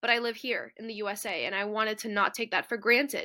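A woman with an American accent speaks at a fairly quick pace, her fairly high pitch giving a bright, sharp tone. The recording is very clean, with a silent background. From US Northeast, Boston. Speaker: real estate investor and entrepreneur. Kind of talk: interview conversation.

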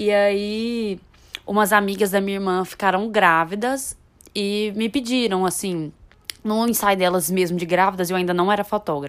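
A woman speaks in a normal speaking voice at a medium pitch, keeping her intonation fairly even. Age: 20s. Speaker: family photographer. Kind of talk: casual interview chat.

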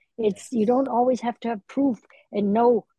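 A woman speaks with a fairly high pitch and a dark, mellow tone, somewhat breathy, with ordinary pitch variation. The sound is dry and close with no echo. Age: 70s. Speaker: podcast host. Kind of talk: casual conversation.

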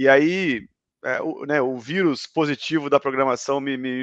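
In a plain, everyday voice, a man speaks at a fairly high pitch with fairly even intonation, the sound dry and close with no echo against a quiet background. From interior of Rio de Janeiro state, Brazil. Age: 40s. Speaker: tech speaker and author. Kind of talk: conference talk in a live-streamed chat.

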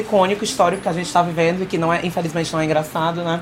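A woman with a fairly low pitch speaks in an animated tone. Music plays in the background. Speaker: podcast co-host. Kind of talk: casual chat.

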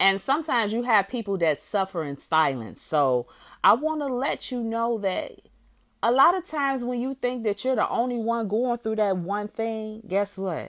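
Lively intonation marks a woman's fairly high pitch at a moderate pace. The recording is very clean, with a silent background. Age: 30s. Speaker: podcast host and life coach. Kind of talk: casual monologue, motivational. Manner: animated.

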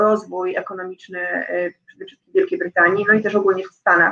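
The speaker is a woman with a medium pitch. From Poland, Zakopane (Podhale highlands). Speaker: banker. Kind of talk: interview. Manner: halting, many fillers.

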